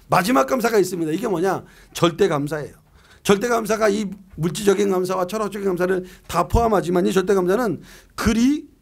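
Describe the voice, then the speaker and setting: A man's voice: high voice, creaky. A middle-aged man preaching a year-end sermon as pastor, reading scripture aloud and asking and answering his own questions in a conversational way.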